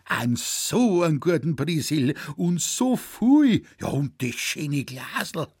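Old man, Bavarian dialect, quavering, complaining, effusive, husky, a male narrator voicing him. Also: on the high side, slow pace, no echo, studio quality, voice pushed up, exaggerated voice. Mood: overjoyed. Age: older. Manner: complaining, then effusive and excited. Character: stooped old Bavarian hunter, frail and lamenting.

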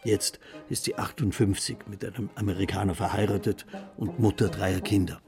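Gravelly low-voiced male narrator. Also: steady tone, moderate pace, darkish tone, faint music behind. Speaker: reporter. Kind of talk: scripted documentary narration.

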